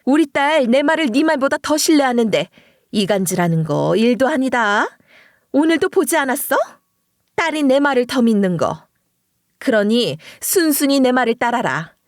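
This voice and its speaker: A woman's voice: high voice, big pitch swings, normal speed, dry recording, clean studio sound. A woman voicing a scheming, clingy mother-in-law who talks in a pushy, reproachful way in a story narration. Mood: threatening.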